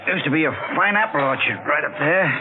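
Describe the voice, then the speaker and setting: An actor playing a folksy, gruff small-town digger in 1940s radio drama, talking emphatically in rustic grammar. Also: male voice, on the high side, animated, fast, natural voice. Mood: excited, insistent. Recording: phone-like old radio recording with hiss.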